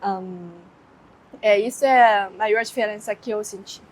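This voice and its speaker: A woman's voice: mid-range voice, measured pace, rough recording. A young woman from China with a Chinese accent, answering interview questions in a hesitant way with many fillers.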